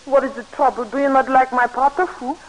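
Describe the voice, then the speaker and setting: A woman's voice: high voice, steady tone, quick pace, natural voice, rough recording. An actress playing a shrewd, coaxing middle-aged French landlady with a French accent, in 1940s radio acting style from an old radio broadcast. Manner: sly, coaxing, theatrical.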